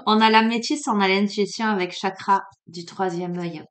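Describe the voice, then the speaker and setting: A woman with a soft southern French accent gives a relaxed oracle card reading, talking slowly and without hurry. She hesitates often and fills gaps with small sounds. Her voice has a sleepy, drowsy ease and sits at an average pitch. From Marseille, France. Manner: hesitant, many fillers, drowsy and unhurried. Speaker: card reader.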